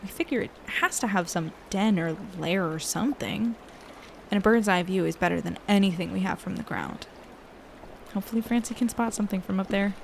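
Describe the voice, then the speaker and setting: A woman playing an earnest, hesitant young woman who is a gentle, loyal friend in an audio drama. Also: mid-range voice, brisk, gravelly, a little hiss or hum, lightly acted. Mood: anxious, downcast.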